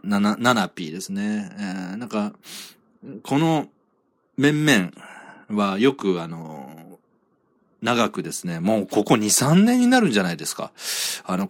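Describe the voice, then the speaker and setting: Male solo podcaster, low voice, animated delivery, dry close sound, wry and rambling. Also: no room sound. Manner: rambling, self-deprecating, chuckles often. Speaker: podcast host. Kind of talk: solo podcast reading listener comments.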